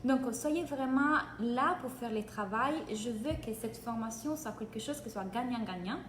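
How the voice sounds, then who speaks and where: A woman from Italy with an Italian accent, giving an energetic live-streamed coaching session in French and greeting viewers by name. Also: a little high, moderate pace, a little hiss or hum. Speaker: business coach. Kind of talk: live-streamed free training. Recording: echoey room, faint ambience.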